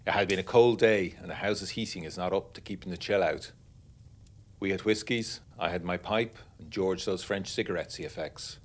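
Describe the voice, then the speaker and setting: A man's voice: sits low, normal speed. An actor playing a genteel, uneasy young war veteran narrating his letters in a literary, wryly confiding way for a gothic period audiodrama.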